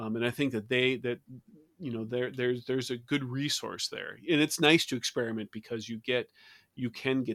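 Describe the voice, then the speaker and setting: Delivery at a moderate pace, with a dry, close sound and no echo. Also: man. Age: 50s. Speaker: tabletop RPG writer and podcast producer. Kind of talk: casual interview. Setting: remote recording at home. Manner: enthusiastic.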